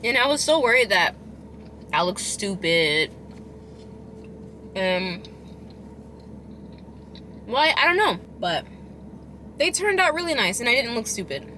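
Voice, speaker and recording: A woman chatting casually as a food vlogger, chewing while she talks, rambling and expressive with emphatic delivery. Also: on the high side, a little slow, long pauses, slight background noise. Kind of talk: casual chatty eating vlog.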